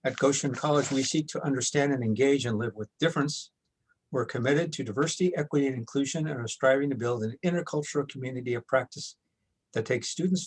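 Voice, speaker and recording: Male moderator, slightly husky, mid pitch, formal and measured, speaking over a video call. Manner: measured and formal, reads introductions with occasional restarts. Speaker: workshop moderator.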